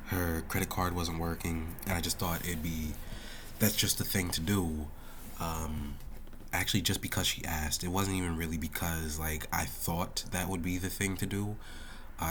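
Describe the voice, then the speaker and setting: Very deep, flat-toned young man, under the weather. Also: a little hiss or hum. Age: young adult. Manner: halting, slangy, conversational. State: sick with sore throat, voice going hoarse. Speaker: college student vlogger. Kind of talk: casual rambling personal vlog.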